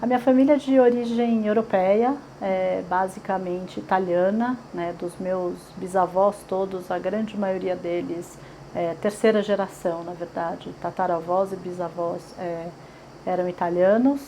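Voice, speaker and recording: A woman's voice: on the low side, steady tone, measured pace, dark tone, slight background noise, poor audio. Chatty São Paulo woman reminiscing. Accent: Paulistano Brazilian Portuguese. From São Paulo, Brazil. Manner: chatty, frequent fillers and tag questions. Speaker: interviewee. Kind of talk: oral history interview.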